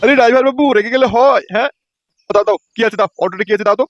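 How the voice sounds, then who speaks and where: A man voicing a blustering, high-pitched householder. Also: racing, no echo, dull audio. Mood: impatient, bossy. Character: blustering, suspicious older householder, bullying in-law. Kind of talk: comedy cartoon dialogue.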